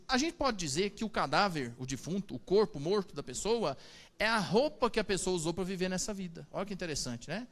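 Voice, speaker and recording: Brief: male Catholic priest, fairly high voice, chatty joking sermon with many "né?" asides. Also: a bit bright. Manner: chatty and joking, asks the audience "né?".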